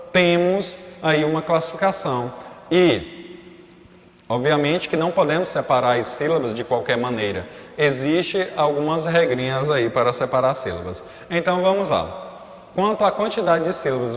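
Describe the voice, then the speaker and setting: Man teaching a recorded class, slightly high voice, roomy reverberant sound. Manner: explanatory, frequent checking fillers. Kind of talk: recorded online class lesson. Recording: echoey room with long reverb.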